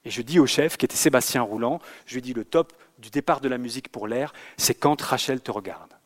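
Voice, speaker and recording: A theatre director with a medium-pitched voice lectures a little quickly, packing his talk with anecdotes. He's a lively storyteller who acts out the scenes he describes, often tripping over fillers and repeated words.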